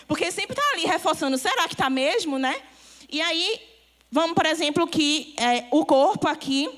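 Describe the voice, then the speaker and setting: Young woman youth leader, high pitch, animated church teaching with role-play. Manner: animated, acts out voices of body and soul. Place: church hall.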